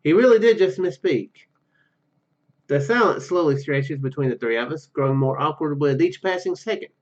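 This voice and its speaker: A man doing a let's play, reading story text aloud haltingly and dropping in casual asides. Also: a little high, animated, muffled recording. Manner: halting, stumbles over read words. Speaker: gaming YouTuber.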